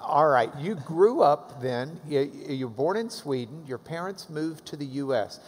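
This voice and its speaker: A middle-aged man hosting a seated interview on a church stage, jovial and quick with jokes. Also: a little high, expressive, darkish tone. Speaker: host, interviewer. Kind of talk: conversational interview. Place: church stage, large hall. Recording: reverberant hall, faint noise.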